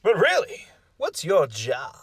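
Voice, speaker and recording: Spoof talk show host, played by a man: very high voice, big swings, mock-formal and exasperated, husky edge, comedy podcast. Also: huge pitch swings, slow pace, background noise, heavily acted. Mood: needling. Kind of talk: scripted comedy interview.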